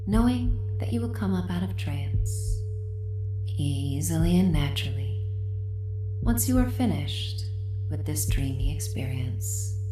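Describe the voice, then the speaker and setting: Mysterious female caretaker, acted by a woman for hypnosis roleplay: low-pitched, breathy, soothing, possessive, over ambient music. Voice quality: soft, breathy whispering. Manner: slow, soothing, hypnotic, often dropping into whispers. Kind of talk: scripted hypnosis roleplay audio, ASMR-like. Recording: echoing voice over ambient tones. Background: soft ambient music with humming tones.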